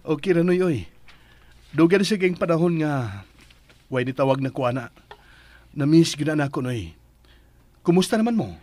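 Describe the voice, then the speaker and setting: An actor playing a gentle, grateful and devout younger priest with a Bisaya accent, respectful and earnest, in a radio drama. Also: male voice, on the high side, lively intonation, normal speed, long pauses, natural voice. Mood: warm, wistful. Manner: respectful, soft-hearted, earnest.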